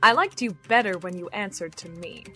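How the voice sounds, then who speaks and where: An actress playing a playful, ruthless villain in an audio drama, teasing and theatrical. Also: female voice, on the low side, a little fast, sharp tone, soft background music.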